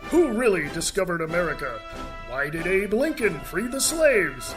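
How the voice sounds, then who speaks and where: A man giving scripted radio narration and promo reads as an announcer, in a deliberate, measured manner. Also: sits high, very animated, over music.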